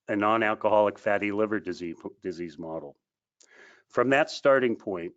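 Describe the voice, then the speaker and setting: A man reading a scripted financial results presentation in a formal, measured way, as a company executive on a conference call. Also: fairly low pitch, a bit bright. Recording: dull, lo-fi conference call audio.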